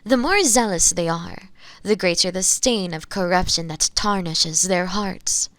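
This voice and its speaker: A woman playing an imprisoned witch in an audio roleplay, seductive, teasing and obsessive, sometimes hushed as she speaks to the listener. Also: on the low side, no echo. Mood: bitter, disdainful. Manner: slow, teasing, hushed at times, with pet names. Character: imprisoned witch, seductive, obsessive yandere, bitter toward inquisitors.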